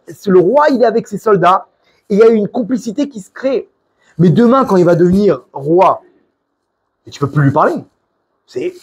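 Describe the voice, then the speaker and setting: This preacher is a man from France whose voice is high and a little rough, and his French accent comes through clearly. He delivers a loose, story-filled sermon, often starting over and using Hebrew religious vocabulary.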